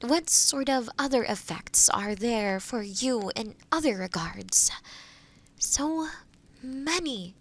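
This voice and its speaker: A gentle, solitary witch of the woods voiced by a woman talks to the listener in a fantasy audio roleplay. Her voice is fairly high and soft, with a breathy edge and plenty of creak. She takes her time, choosing formal, old-fashioned words with curious, thoughtful courtesy. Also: lively intonation, slow pace, exaggerated voice.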